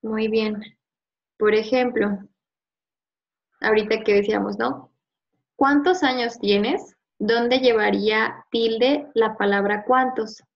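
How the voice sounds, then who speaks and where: A woman teacher giving a one-on-one review lesson, patiently quizzing and repeating words slowly. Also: on the high side, fairly even intonation, gravelly. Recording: slightly muffled lo-fi audio.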